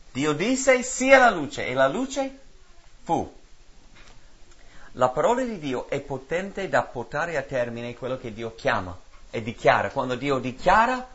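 A man preaching a sermon in a rhythmic, repetitive cadence, swinging between loud emphatic lines and hushed drops. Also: a little high, dull audio.

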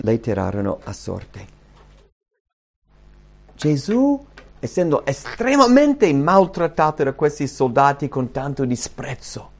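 A man preaching a sermon and reading scripture aloud, swinging between loud, high emphatic bursts and quiet, low asides. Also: creaky. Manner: reads scripture aloud to the congregation.

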